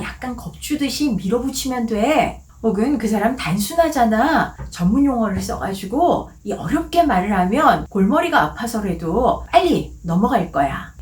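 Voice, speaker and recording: A woman hosting a book channel, giving a calm, clearly articulated talk on conversation tips from her office. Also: a little high. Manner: calm, clearly articulated, acts out short quoted lines. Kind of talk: scripted explanatory talk.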